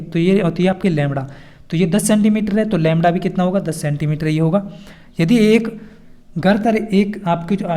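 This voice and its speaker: A man's voice: high voice, mellow. A man teaching an exam-prep lesson, reading out quiz questions and explaining the answers with repeated key points.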